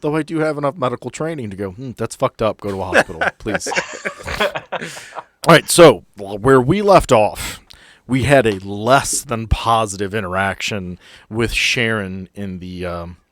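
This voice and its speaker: A man's voice: on the low side, expressive, unhurried, a bit bright, dry recording. A man hosting a tabletop game podcast as game master, chatting casually, joking, swearing freely and interrupting himself.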